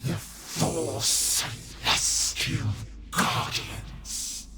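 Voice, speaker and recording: A woman voicing an ancient, cryptic, imperious spirit in a video game, with breathy, oracular delivery. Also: background noise. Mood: ominous, commanding. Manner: oracular, drawn-out phrasing. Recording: long reverb, music behind. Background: game music.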